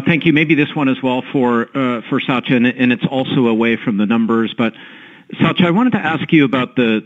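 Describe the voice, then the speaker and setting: A male financial analyst puts a polite question on an earnings call. His medium-pitched voice comes down a tinny telephone line, and he phrases things tentatively.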